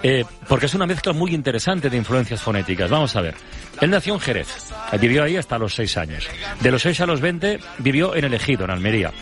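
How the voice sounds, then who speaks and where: A man hosting a radio talk show. He speaks quickly and casually, throwing in quips and laughs between questions. There is faint music under his voice. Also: on the high side, fairly bright tone. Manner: quick, chatty, interjecting with laughs. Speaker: radio host. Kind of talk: radio interview.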